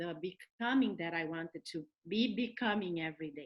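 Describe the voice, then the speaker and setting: A woman speaks with a Brazilian accent. Her pace is fairly slow and her pitch variation ordinary. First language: Portuguese. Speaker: bereaved widow sharing in a grief group. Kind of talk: testimony. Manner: slow, halting.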